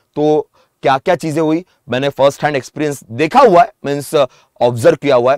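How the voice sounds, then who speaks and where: A man's fairly high-pitched voice with ordinary pitch variation, at a moderate pace, over a quiet background. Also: dry sound with no echo. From India. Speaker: online exam-prep teacher. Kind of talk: live online lecture.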